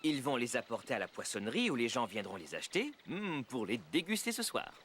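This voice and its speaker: An actor playing a patient, kindly father in a children's cartoon, with a gentle, explanatory way of talking. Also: mid-range voice, sing-song, brisk, slight background noise. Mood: agreeable. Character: patient, kindly young father of a small boy.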